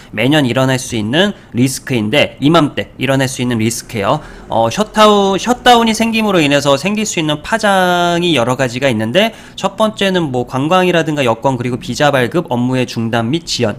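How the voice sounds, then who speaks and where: A man hosts a stock market video in a relaxed, chatty way. He walks through charts as he talks, tosses out rhetorical questions and little puns, and fills his pauses with small hesitations. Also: medium pitch. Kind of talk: casual explanatory talk over charts.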